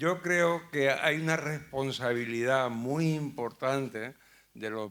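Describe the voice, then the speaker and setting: A man speaks at a very slow pace. His pitch sits in the middle range. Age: 80s+. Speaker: audience member. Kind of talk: audience question.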